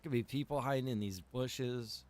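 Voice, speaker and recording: A man's voice: medium pitch, moderate pace, darkish tone. A laid-back man chatting to viewers in rambling, slangy game livestream commentary. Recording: clearly noisy, background ambience.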